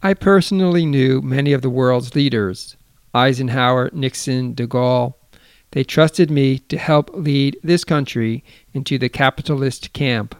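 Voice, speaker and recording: A man reading the part of a broken, secretive elderly exile with a low, hoarse voice. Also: measured pace, no echo, close to an everyday voice. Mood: somber.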